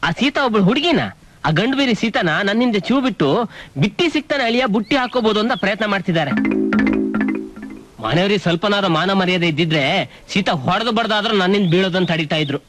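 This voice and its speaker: A man's voice: sits high, lively intonation, fast talker, over music. An actor playing a proud, rude young village man, talking in a curt, defiant way. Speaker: arrogant young suitor Ramu.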